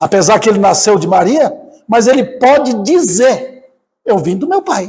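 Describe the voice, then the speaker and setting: With a high pitch and very wide pitch swings, a man talks at a fairly slow pace. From Brazil, Bahia. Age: 60s. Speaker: pastor. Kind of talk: sermon.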